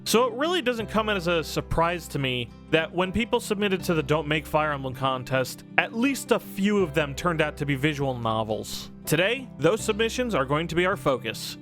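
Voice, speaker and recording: A man with a fairly high, fairly bright voice speaks at a normal speed and with plenty of expression. He's hosting a scripted comedic game review as a video host, talking casually, swearing, and piling on exaggerated emphasis. Background music plays under his voice.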